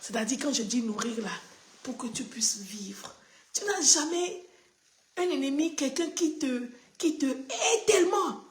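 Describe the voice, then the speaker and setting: In an echoey space, an unhurried woman pastor preaches a personal sermon, repeating phrases to drive points home. Her delivery swings between quiet confidences and high, excited outbursts.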